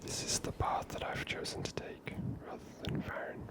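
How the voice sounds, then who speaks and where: A host giving soft, relaxed, whispered commentary over a video game, chatty and unhurried. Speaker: ASMR gaming channel host.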